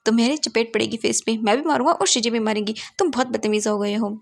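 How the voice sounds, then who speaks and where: A woman's voice: a little high, fast talker, vocal fry. Woman doing a whiny teasing young man. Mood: bickering. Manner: whiny pleading, bickering. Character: teasing young man, loving little brother.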